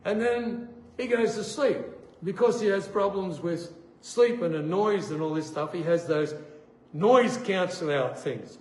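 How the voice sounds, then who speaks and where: A man giving a sermon testimony, an animated storyteller who acts out the voices in his stories. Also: high voice, a little slow. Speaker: preacher. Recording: echoey room with faint noise.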